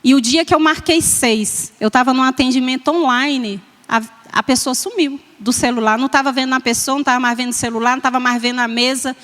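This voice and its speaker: A woman's voice: high voice, steady tone, brisk, fairly bright tone. A woman in her sixties from Brazil giving an emotional personal testimony at a church service, telling her story with quoted dialogue and frequent tag questions. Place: church hall. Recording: long hall reverb.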